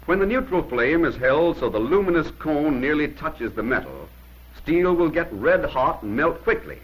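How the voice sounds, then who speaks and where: Husky, animated 1950s training film narrator, man. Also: fairly high pitch, normal speed, low-quality recording.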